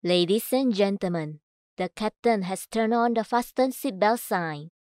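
A woman reading scripted public announcements in a formal, measured, carefully enunciated manner. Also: mid-range voice, darkish tone, no echo. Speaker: voice-over announcer.

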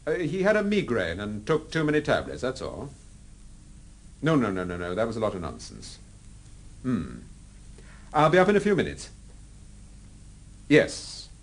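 An actor playing a composed, polite British gentleman detective in a radio drama, speaking in a measured way. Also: mid-range voice, huge pitch swings. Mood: reassuring. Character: suave, unflappable gentleman detective, married man.

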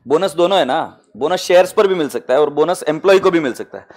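A man's voice: fairly high pitch, lively intonation, fast talker, a little mellow. A man with an Indian accent teaching accounting to a live class, mixing Hindi and English and calling students "beta" fondly.

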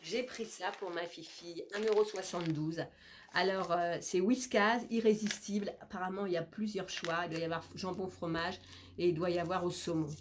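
Chatting casually about her groceries, a French woman in her fifties records a vlog indoors in a leafy-wallpapered bedroom, camera close in front. Her voice is on the low side, steady in tone and moderately paced, a bit stuffy from a cold, with a little hiss or hum. In a chatty, playful manner she coos and baby-talks to her cat now and then.

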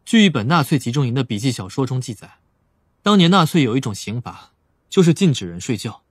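A man's voice: medium pitch, big pitch swings, brisk, no room sound. A man playing a clever, composed young police psychologist in an audiobook drama, probing and explaining. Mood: explanatory. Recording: dry voice over soft music.

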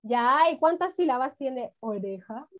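Over dull, lo-fi video call audio, a woman from Chile with a high voice and lively intonation teaches first graders to read. She stretches words out and gives frequent warm, encouraging praise, with plenty of "muy bien".

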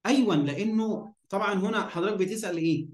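Racing along in a high-sitting voice, a man with an Egyptian accent gives an online Arabic grammar lesson. He raises questions and answers them on his own, repeatedly making sure his students keep up. The sound is roomy.

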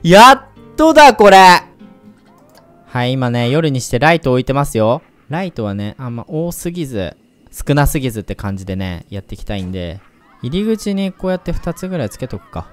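Excitable man with a lively voice. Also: mid-range voice, fairly quick, soft background music. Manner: excitable, bursts into loud whoops; chatty, speaks to viewers directly. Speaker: game commentator. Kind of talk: let's play commentary.

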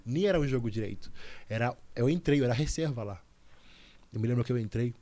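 A young man, a podcast guest telling a story in a lively, slangy way, full of restarts and repeats. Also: mid-range voice, quick pace. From Cuba. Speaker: podcast guest, volleyball player. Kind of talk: casual storytelling chat.

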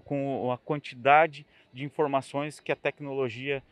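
A man's voice: mid-range voice, no room sound. A young adult man speaking chattily in an interview outdoors at a fair stand, into a handheld mic. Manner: chatty, animated, quick asides. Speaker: machinery dealer representative. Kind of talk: casual interview answer.

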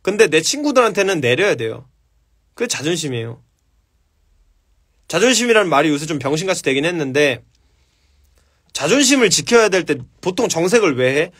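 A man's voice: on the high side, sing-song, a little fast, pauses often, fairly bright tone, breathy edge. A man hosting a casual live stream, answering viewer questions with blunt, profane advice.

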